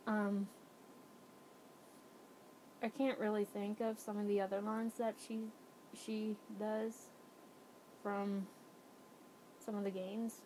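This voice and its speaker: A woman's voice: little pitch movement, slow, long pauses, warm tone, low-quality recording. A young adult woman chatting casually to viewers in a self-effacing, hesitant way, as an amateur voice actor. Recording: faint rumbly background noise.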